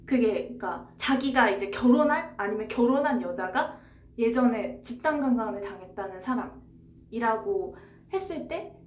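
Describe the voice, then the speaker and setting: A woman's voice: fairly high pitch, animated, normal speed. A young woman streamer casually retelling a novel's plot, chatty and rambling, answering her viewers as she talks. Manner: chatty, rambling, answers chat with short replies. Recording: roomy echo, faint background hiss.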